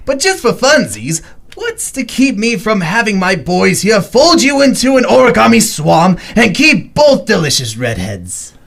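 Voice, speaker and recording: A deranged, theatrical clown villain for an audio drama. He draws his words out slowly and swings wildly from murmurs to shrieks, cooing with mock affection and gleeful menace. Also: high voice, huge pitch swings, vocal fry, fairly bright tone, heavily acted. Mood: delighted, scheming. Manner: theatrical, sing-song, drawn-out, lurching from murmurs to shrieks.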